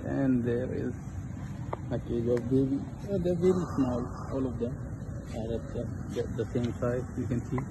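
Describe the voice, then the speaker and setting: A man's voice: medium pitch, fairly even intonation, normal speed. A young adult man with a South Asian accent, a native Hindi-Urdu speaker, chatting casually as he vlogs outdoors. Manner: chatty, talks to the animals. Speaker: vlogger. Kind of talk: casual zoo vlog chat. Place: outdoor zoo. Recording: noisy outdoor phone recording.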